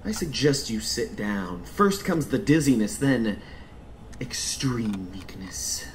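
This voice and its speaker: A polite, understated sad clown with a killer's secret, acted by a man in an audio drama. His pitch moves around a lot, with faint noise behind him. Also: expressive, takes it slowly. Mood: calm, smug. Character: mild-mannered sad circus clown, secretly a cold killer. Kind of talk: full-cast audio drama acting. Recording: faint background noise and ambience.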